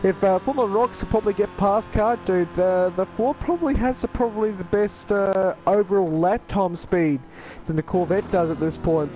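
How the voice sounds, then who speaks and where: A man's voice: high voice, rough recording. A man co-commentating a sim racing stream, analysing the cars with many fillers. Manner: rambling, filler-heavy analysis.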